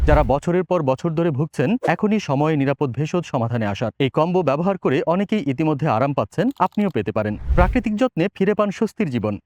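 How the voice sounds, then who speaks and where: A male voice-over artist reads advertising copy. His voice sits slightly high for a man and he moves along at a quick pace. The delivery is scripted and persuasive, with each word clearly pronounced. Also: darkish tone.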